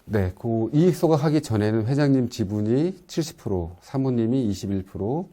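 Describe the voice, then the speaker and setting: A man being interviewed as a consultant, answering calmly and steadily and often agreeing with short replies. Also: fairly low pitch. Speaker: guest consultant.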